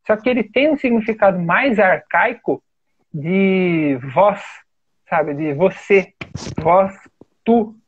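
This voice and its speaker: A man's voice: high-pitched, takes it slowly, husky, no echo. A Brazilian man teaching an online lesson on Chinese characters, explaining step by step and pointing things out on screen with a frequent "né?". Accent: Brazilian Portuguese. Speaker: study group teacher. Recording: tinny phone-like online call audio.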